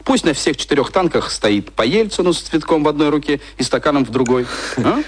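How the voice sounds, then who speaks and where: A man's voice: fairly high pitch, expressive, fairly quick, slight background noise, natural voice. An actor playing a cynical, convivial adman in a radio play, talking like a sardonic mentor over drinks. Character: cynical, convivial male adman, former propaganda official, drinking. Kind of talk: naturalistic radio play dialogue.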